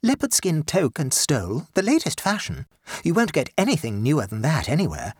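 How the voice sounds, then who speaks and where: A man voicing an eager shop assistant making a sales pitch, in a storybook reading. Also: huge pitch swings, fairly quick, darkish tone, husky, dry recording, studio quality, full character voice. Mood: salesy. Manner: salesy, persuasive.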